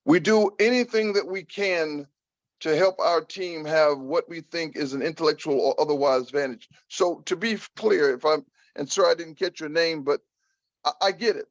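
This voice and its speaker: An older American man answering an audience member at a talk, speaking deliberately and repeating phrases for emphasis. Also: a little high, no room sound, dull audio.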